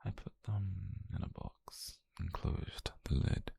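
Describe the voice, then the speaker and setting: Man performing a obsessive mafia boyfriend, British accent, slow-paced, very husky half-whisper, calm menace, possessive tenderness, close dry ASMR mic. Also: low voice, dry recording, heavily acted. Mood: obsessive, tender. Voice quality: breathy, gravelly half-whisper. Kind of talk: intimate ASMR roleplay. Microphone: close microphone, dry.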